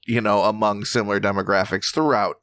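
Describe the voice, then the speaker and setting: A man's voice: on the low side, fairly quick, no room sound, studio quality. A man co-hosting a podcast, chatting casually with jokes and a lot of swearing. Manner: animated, joking, swears freely. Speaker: podcast co-host. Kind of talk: casual comedic chat.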